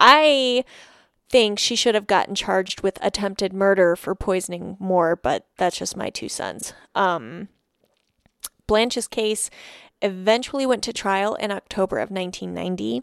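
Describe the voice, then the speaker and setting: A woman with an American accent talks at a moderate pace and medium pitch, with lively intonation and an ordinary speaking voice. The recording is very clean with a silent background, and the sound is dry and close with no echo. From North Carolina. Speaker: true crime podcast co-host. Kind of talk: casual chat.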